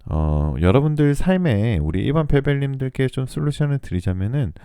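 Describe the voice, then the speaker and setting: A man reading tarot for listeners in a soothing, polite, measured radio-like style, his voice still recovering from a throat cold. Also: medium pitch, sing-song, mellow, clear, resonant tone, dry recording, clean studio sound. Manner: soothing, polite, measured delivery meant to lull listeners to sleep. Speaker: tarot reader and channel host.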